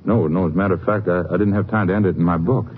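A man's voice: sits low, steady tone, racing, lightly acted. A man acting a folksy, evasive livestock barn owner with a rural American accent in a 1950s western radio drama. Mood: nervous, evasive. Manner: folksy, hesitant, stammering under questioning. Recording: tinny noisy old radio recording.

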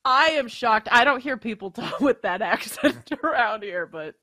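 Bright-voiced chatty woman co-host. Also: a little high, lively intonation, normal speed, no echo. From near Washington DC area. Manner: chatty, laughs while talking. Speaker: podcast co-host. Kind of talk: casual chat.

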